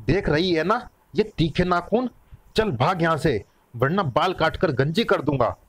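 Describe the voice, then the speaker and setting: A man voicing a gruff, hot-tempered man of the wolf clan who bosses and threatens. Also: fairly high pitch, lively intonation, unhurried, dry recording. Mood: threatening.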